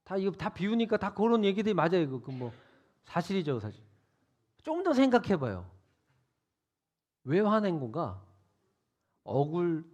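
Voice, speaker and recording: A male youth pastor preaching in a church sanctuary. He keeps it casual and interactive, tossing questions to the teens. His voice sits high and moves around a lot. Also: a little mellow, highs cut off. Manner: conversational, quizzing listeners.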